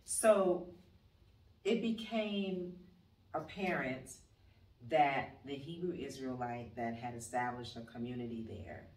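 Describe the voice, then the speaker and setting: A woman's voice: extremely low pitch, darkish tone. Distant woman interviewer in an echoey room. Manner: brief prompting replies, measured questions. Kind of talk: interview questions. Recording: distant mic, roomy, faint background noise.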